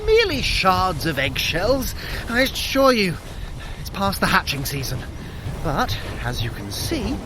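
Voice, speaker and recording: An actor playing a cocky, smooth-talking trickster god in an audio drama, with a sardonic, wordy and wheedling manner. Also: male voice, high-pitched, wildly swooping pitch, unhurried, background noise, full character voice. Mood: hurried, breezy.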